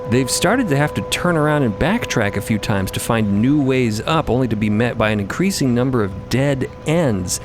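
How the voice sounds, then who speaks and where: Male narrator, average pitch, dramatic storytelling, adventure fiction, prominent background music. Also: expressive, moderate pace, few pauses.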